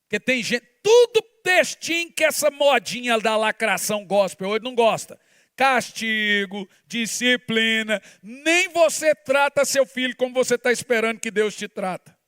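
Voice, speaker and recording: A man, preaching a sermon as pastor, shifting between forceful shouts and hushed asides. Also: very high-pitched, animated, normal speed, clear, resonant tone, no echo, clean studio sound.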